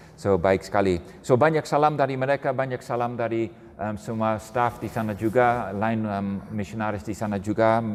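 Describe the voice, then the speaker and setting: The speaker talks at a moderate pace in an English accent. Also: man, medium pitch for a man, ordinary pitch variation. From Australia and the Netherlands. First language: English (speaking Indonesian). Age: old. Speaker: missionary. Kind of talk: testimony. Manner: halting.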